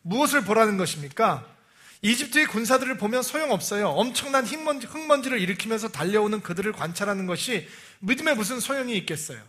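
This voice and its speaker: A middle-aged male pastor preaching a sermon, who shouts quoted cries and drops to a soft, low voice for scripture. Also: lively intonation, fast.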